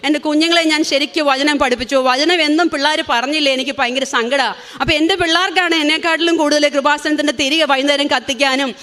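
A woman's voice: high voice, fast, sharp tone. A woman in her forties with a Malayali accent, giving an earnest, emotional religious testimony. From India. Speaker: testimony speaker.

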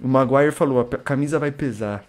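A young man with a Brazilian Portuguese accent, giving slangy live commentary on a game stream, chatting with viewers and erupting into shouts. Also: mid-range voice, fairly quick, faint music behind.

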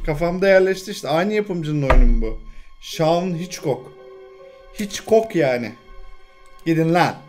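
A young man plays a horror game and comments as he goes. His voice sits a little high and jumps all over the place, from low mutters to the game to sudden frightened shouts. His throat is strained from yelling, and quiet game music plays behind him. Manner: jumpy, talks to himself and the game, swings between mutters and frightened yells. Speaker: gaming channel host.

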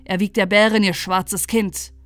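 A woman voicing a cold, grim knight who speaks loudly in chanting rhymes. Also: mid-range voice, little pitch movement, unhurried, no echo, natural voice.

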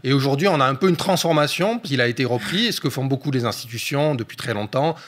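A man's voice: medium pitch, fast talker. A man, an economist guest on a discussion show, explaining at length with frequent hesitation fillers.

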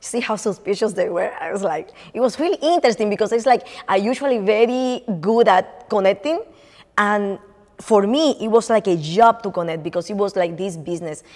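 A woman's voice: mid-range voice, brisk, a little mellow. Woman, Dominican Spanish accent, middle-aged, artist lecture, long hall reverb, room mic from a distance. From Dominican Republic. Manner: chatty, many restarts and fillers, gesturing as she speaks. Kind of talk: lecture on her art. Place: lecture room in front of a projected slide.

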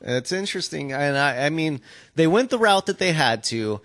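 A man's voice: fairly high pitch, animated, moderate pace, fairly bright tone, no room sound. A man chatting casually on a podcast in an informal, slangy way, with plenty of swearing. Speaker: podcast co-host.

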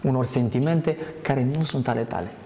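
A man's voice: mid-range voice, slight background noise. Guy talking spirituality on a tv show, lots of uh's, earnest, echoey room. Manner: earnest, hesitant with many fillers, sometimes chants softly. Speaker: guest. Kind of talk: spiritual talk. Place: TV studio.

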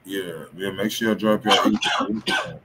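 A man's voice: on the low side, steady tone, a little slow, a bit bright. A man hosting a live music review stream in a casual, slangy, informal way. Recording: faint room noise.

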